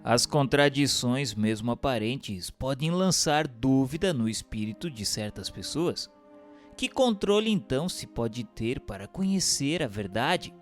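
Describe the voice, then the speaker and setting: A man performs an earnest seeker of truth in an audio drama. He has a medium-pitched voice and puts things formally, in an inquiring manner. Quiet music runs underneath. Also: animated, measured pace, lightly acted. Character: earnest male questioner seeking truth from spirits. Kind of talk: scripted audio drama reading.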